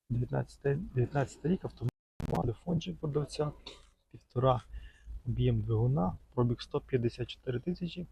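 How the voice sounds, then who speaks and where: Strolling past cars for sale at an outdoor market, a man gives casual, rambling commentary sprinkled with fond little words. He speaks at a medium pitch with vocal fry, and there's background noise.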